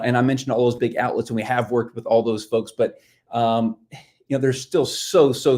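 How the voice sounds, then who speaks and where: A man's voice: mid-range voice, darkish tone. A man who works as a book publicist, presenting casually as a guest expert on a live stream, with frequent ums and restarts. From Nashville-based. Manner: casual, filler-heavy, restarts.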